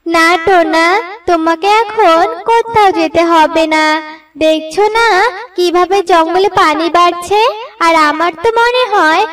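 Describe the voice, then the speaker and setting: High-voiced, anxious mother bird played by a woman. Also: measured pace, a bit bright, far from the mic, soft background music. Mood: worried. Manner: worried, soothing, pleading. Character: anxious, tender mother bird in a children's cartoon. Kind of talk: children's cartoon voice acting.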